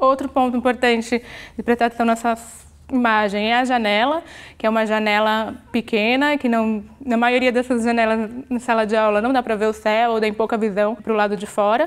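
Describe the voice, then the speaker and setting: A woman talks at a moderate pace in a fairly high, monotone voice with flat intonation. The recording is very clean, with a silent background. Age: 30s. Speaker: art teacher and artist. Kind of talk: workshop presentation. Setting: recorded at a workbench with materials. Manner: halting, many fillers.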